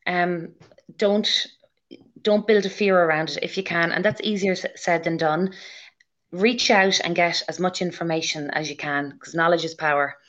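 A woman's voice: on the low side, fairly even intonation, moderate pace, a bit bright. A woman answering interview questions as a clinician, earnest and explanatory, on slightly muffled audio. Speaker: haematology clinician interviewed as guest.

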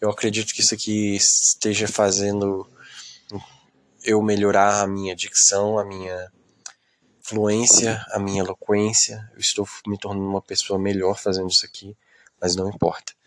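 A man's voice: fairly low pitch, little pitch movement, moderate pace. Rambling mineiro man musing into a phone. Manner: rambling, self-mocking, complaining musings that trail off into mumbles. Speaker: podcast host. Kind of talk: solo rambling podcast monologue.

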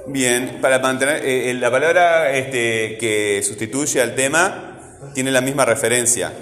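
A man's voice: mid-range voice, measured pace, a bit bright. A man teaching a grammar lesson to a class. He asks patient, coaxing questions and sounds out words syllable by syllable. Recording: echoey classroom, roomy reverb.

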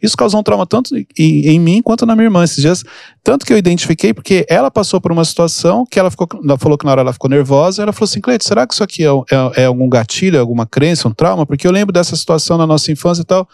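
Fast-talking gravelly man. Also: a little high, lively intonation, darkish tone, no room sound, clean studio sound. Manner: storytelling, acts out quoted people. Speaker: podcast host and mentor. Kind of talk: casual teaching chat.

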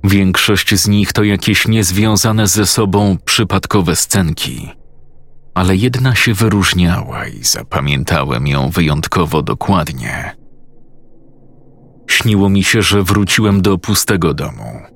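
A man narrates a creepy first-person horror tale in a measured, ominous reading. His voice is deep and husky, and he takes his time over every line. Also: a bit bright, dry recording.

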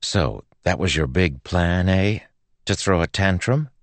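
Male narrator as a teenage boy, mild, earnest, easily embarrassed, slightly high, storybook character. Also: unhurried, no echo. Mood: doubtful.

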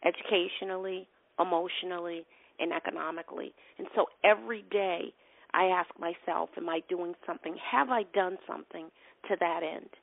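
A woman's voice: lowish voice, steady tone, normal speed, creaky, no room sound. A middle-aged woman from Boston with a Boston accent, an earnest nonprofit leader answering interview questions, repeating and restarting her phrases as she speaks. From Boston, USA. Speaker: nonprofit president, guest. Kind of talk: interview conversation. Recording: tinny phone-like line.

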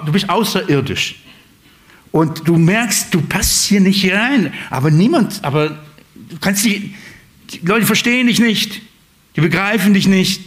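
Conversational preacher. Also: male voice, high voice. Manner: conversational preaching, asks listeners questions; repeats and restarts phrases. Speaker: pastor. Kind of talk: sermon.

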